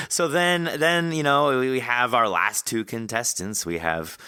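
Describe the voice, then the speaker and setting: A man's voice: medium pitch, takes it slowly, pushed and bright, clear, resonant tone, no echo, studio quality. A man hosting a podcast, chatting casually and in a rambling way with his guest. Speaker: podcast host. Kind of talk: casual conversational interview.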